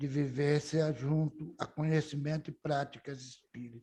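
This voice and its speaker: Somewhat breathy and dark, mellow in tone, a man speaks with fairly high pitch at a fairly slow pace in monotone, flat intonation. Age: 70s. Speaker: author and spiritist speaker. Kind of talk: talk to a study group.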